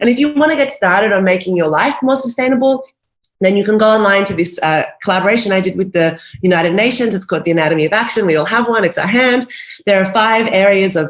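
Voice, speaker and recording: With an Australian accent, a woman talks at a very fast pace and medium pitch, her loudness very even and her pitch varying in an ordinary way. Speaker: sustainability designer and speaker. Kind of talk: lecture.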